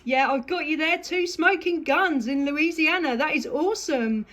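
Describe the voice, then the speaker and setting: A woman's voice: high-pitched, normal speed, fairly bright tone. An enthusiastic woman, chatting casually as a CB radio operator. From England.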